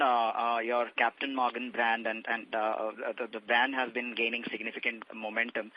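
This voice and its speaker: A man with an Indian accent asking questions as an analyst on an earnings call, polite and hesitant, with frequent stammered restarts. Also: medium pitch. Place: phone line on conference call. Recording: dull, muffled conference call line.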